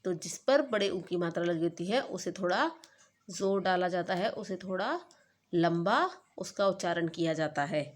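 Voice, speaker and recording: A woman's voice: fairly low pitch, animated. A woman teaching a kindergarten class online, speaking to young children and drawing out sounds to show how they are said. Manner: slow, stretched-out demonstration of vowel sounds.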